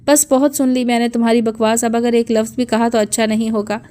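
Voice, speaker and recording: A woman's voice: a little high, flat delivery, dark tone, clean tone, lightly acted. A woman voicing a stern, unforgiving old grandfather who scolds harshly in an audiobook. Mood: furious.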